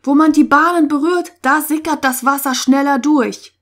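A woman voicing a calm, experienced boy camper in a Christian story for children, speaking briskly and knowingly. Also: fairly high pitch. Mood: instructive. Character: excitable young boy at camp, Lutz, calm experienced leader.

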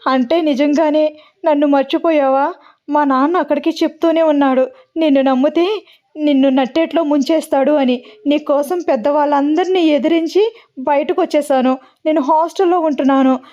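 A woman's voice: high voice, moderate pace, darkish tone, natural voice. A woman voicing a mischievous young woman who fakes tearful heartbreak on a prank call. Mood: melodramatic. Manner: melodramatic, teasing, tearful. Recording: dull lo-fi audio.

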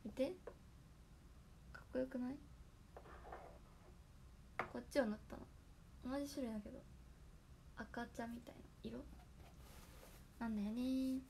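A hoarse young woman chatting casually on her livestream, thanking viewers by name for their gifts. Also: high-pitched, steady tone, moderate pace, long pauses, noisy background. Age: young adult. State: hoarse after a nap. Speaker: idol livestreamer.

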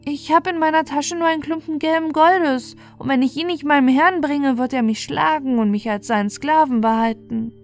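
A woman voicing a gentle, pitiful young child hero in a fairy tale, earnest and plaintive. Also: high-pitched, moderate pace, few pauses, soft background music, voice pushed up. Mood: sad, pleading. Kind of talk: fairy tale storybook reading.

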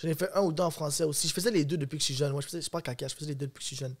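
A young man in his twenties with a Quebec French accent talks rap in a casual interview. His voice sits a little high for a man, and he speaks in an animated, slangy way, with "bro" in nearly every sentence. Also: rapid-fire. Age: 20s. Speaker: guest rapper.

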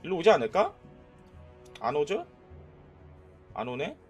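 A young man giving casual, excitable commentary over his own mobile game, trash-talking and narrating his plays. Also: on the high side, a little slow, faint music behind. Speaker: gaming YouTuber.

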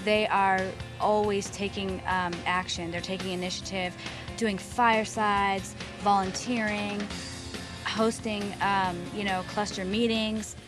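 A young woman gives an interview testimonial in a middle-pitched voice. She pauses and feels for her words, with music playing clearly behind her. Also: little pitch movement. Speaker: community member, new believer. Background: background music.

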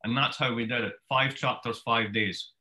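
A Scottish man in his fifties speaks with a bright, forceful tone. He tells his story in a brisk, wry way, like a lecturer talking from his home study. The sound comes through a webcam on a video call. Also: mid-range voice, fairly even intonation. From Scotland. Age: 50s. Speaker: author giving a book talk. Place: home study with bookshelves, indoors.

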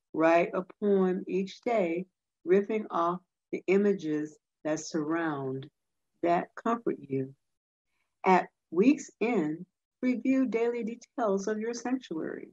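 An older woman, a poet, reads a written ritual aloud in a measured, deliberate way, recorded at home on a computer microphone. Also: on the low side, a little mellow. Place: indoors at home, a room with framed pictures. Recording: dull, muffled video-call audio.

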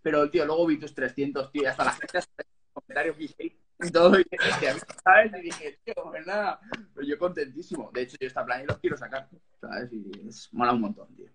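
A young man in his twenties from Spain hosting a live video call chat, excitable and repeating himself as he talks. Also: fairly high pitch, background noise. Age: 20s. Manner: quick, excitable, repeats words. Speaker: channel host. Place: small room indoors. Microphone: webcam on a video call.

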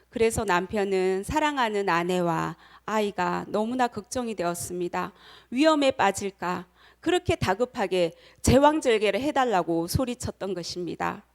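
A middle-aged woman giving a motivational lecture, telling a personal story and speaking directly to her audience. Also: medium pitch. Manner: acts out quoted voices.

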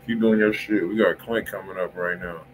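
A man's voice: low voice, steady tone, moderate pace, very noisy. A man with an American accent chatting casually and slangily as he hosts a music review livestream. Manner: slangy, informal. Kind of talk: casual chat, informal song feedback.

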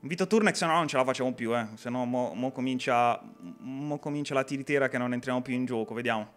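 A man's voice: medium pitch, quick pace, fairly bright tone, soft background music. A young man hosting a live gameplay stream, chatting and reading viewer comments in a jokey way. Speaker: game streamer.

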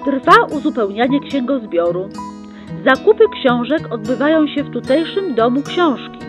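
High-voiced woman doing old-newsreel narration. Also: sing-song. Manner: brisk upbeat newsreel announcer delivery. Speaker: chronicle narrator. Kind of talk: mock 1960s newsreel narration. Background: plucked guitar music.

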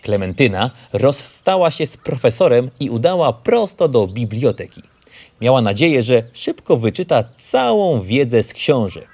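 A man reads a scripted children's story as narrator. His pitch is average for a male, and his intonation moves up and down a great deal. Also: a little mellow.

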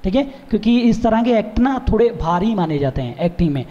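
A man's voice: high-pitched, lively intonation, quick pace, in a large hall, dull audio, background noise. A man judging a talent show, giving encouraging and instructive feedback to child performers. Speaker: dance and acting judge.

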